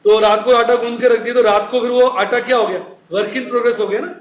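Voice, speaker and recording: Very high-pitched and a little fast, with fairly even intonation, a middle-aged accounts teacher lectures his class in a chatty way, asking questions and supplying the answers himself. The echoey classroom has a faint background noise.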